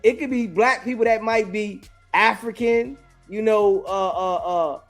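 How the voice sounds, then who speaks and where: A male talk show host with a high voice reasons through his view in a casual call-in discussion. He circles back over phrases in an earnest, halting way, over faint background music.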